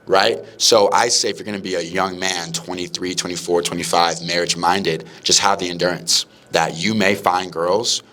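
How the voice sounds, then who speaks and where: A young man hosting a casual podcast chat, animated and acting out the people he talks about. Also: low-pitched, normal speed, few pauses, rough recording. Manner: animated, acts out quoted people in raised voices. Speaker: podcast host.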